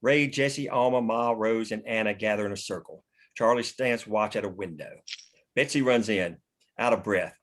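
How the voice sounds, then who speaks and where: A man's voice: on the low side, normal speed. A man narrating stage directions from a screenplay in a scripted table-read style.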